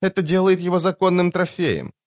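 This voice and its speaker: A man's voice: sits high, brisk, voice pushed up. A man voicing a capricious, imperious goddess of luck, one of two divine twins, in a raised voice. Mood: sharp.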